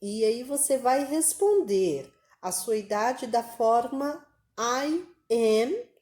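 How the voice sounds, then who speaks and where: A female English teacher with a Brazilian Portuguese accent gives an online lesson, taking her time and stretching out each example phrase. Her voice is mellow and soft, and it carries a roomy echo. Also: fairly high pitch, lively intonation. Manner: slow, patient explaining with drawn-out example phrases.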